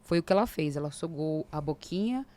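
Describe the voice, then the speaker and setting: A Brazilian woman in her forties, a podcast guest, telling a faith testimony in lively casual talk and acting out the dialogue. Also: low voice, fairly quick. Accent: Brazilian Portuguese. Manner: animated storyteller, acts out quoted dialogue.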